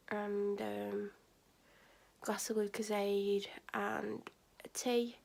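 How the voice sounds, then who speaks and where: A sick, exhausted woman with a sore throat vlogs in a creaky mid-range voice, rambling tiredly with many fillers. The casual chat starts in her bedroom at night and then moves outside by a shop.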